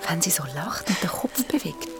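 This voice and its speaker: An actress playing a young wife who speaks in a calm, soothing whisper in the dark, in a whispered role-play for a radio drama. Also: female voice, fairly low pitch, normal speed, creaky. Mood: hushed. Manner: hushed, soothing. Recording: radio drama over loud music.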